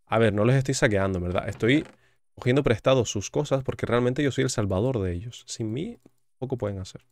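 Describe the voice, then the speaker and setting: A man with a Spain Spanish accent provides brisk, joking gaming commentary for YouTube, chatting away and reading the game text aloud. His voice is medium-pitched with a darkish tone.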